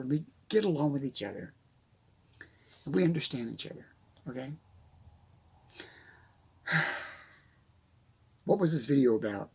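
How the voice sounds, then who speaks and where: A man's voice: high voice, husky. A man giving a casual, rambling motivational rant to camera in his apartment, laughing and going off on asides. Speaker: motivational YouTuber.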